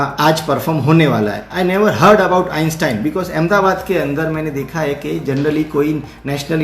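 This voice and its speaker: A middle-aged man from India speaks, hosting a live talk in a halting way, full of fillers, restarts and English phrases. His voice sits a little high. The room echoes around him, with faint music underneath. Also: vocal fry. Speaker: theatre producer and session host.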